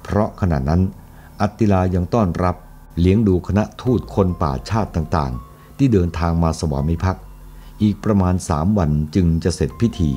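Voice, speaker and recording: Male narrator, deep voice, audiobook reading, faint music behind. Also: moderate pace. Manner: steady, even storytelling. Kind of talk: scripted narration of a historical novel.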